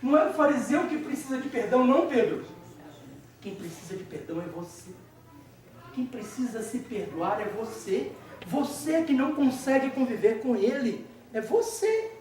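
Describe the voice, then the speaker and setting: A man giving a religious lecture, animated, constantly questioning the audience in a hall. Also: very high voice, normal speed. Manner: animated, keeps quizzing the audience. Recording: echoey hall, speaker far from mic.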